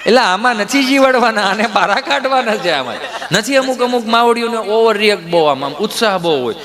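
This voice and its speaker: A male stand-up comedian tells stories animatedly on stage and acts out family scenes. His voice sits high for a man. A live audience laughs loudly around him. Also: expressive, brisk, crowd noise.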